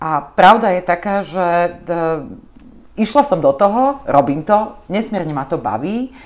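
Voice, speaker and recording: A woman at a medium pitch speaks at a fairly slow pace, her voice moving in very wide pitch swings. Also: very clean recording, silent background. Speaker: podcast host. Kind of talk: interview conversation.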